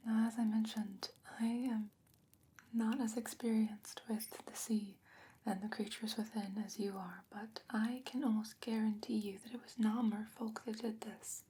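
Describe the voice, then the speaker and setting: A woman voicing a wise, gently stern old sorceress in a soft, breathy ASMR fantasy roleplay, speaking in a measured, deliberate way. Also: medium pitch, slight background noise, natural voice.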